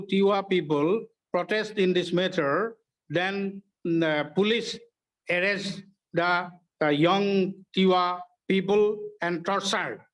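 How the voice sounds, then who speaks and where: Halting man from Assam, slow and high. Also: rough recording. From Assam, India. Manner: halting, many fillers and restarts. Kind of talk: online meeting remarks.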